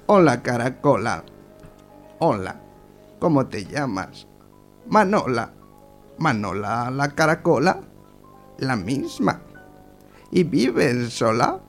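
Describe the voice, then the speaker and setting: A man's voice: medium pitch, very animated, slow pace, long pauses, faint music behind. A man voicing a theatrical, sing-song children's poem dialogue between a curious girl and a seashell. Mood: playful, sing-song.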